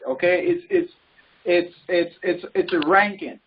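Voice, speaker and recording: Male call-leading coach, high pitch, halting repetitive delivery, dull audio with faint noise. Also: sing-song. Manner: halting, repeats words, checks in often with "okay" and "right". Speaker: trading coach leading a group conference call. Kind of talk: informal instruction on a group call. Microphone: conference call line. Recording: muffled, noisy conference call audio with clicks.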